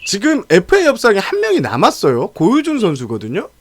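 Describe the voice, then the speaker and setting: Animated male talk show host, higher-pitched. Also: quick pace, breathy edge, no echo, clean studio sound. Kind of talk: lively casual talk show hosting.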